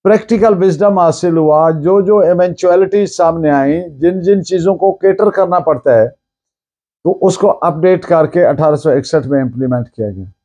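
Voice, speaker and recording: This explanatory law lecture is delivered deliberately by a man with a Pakistani accent whose voice sits on the high side with a dark tone. He repeats points to stress them and works English terms in as he goes.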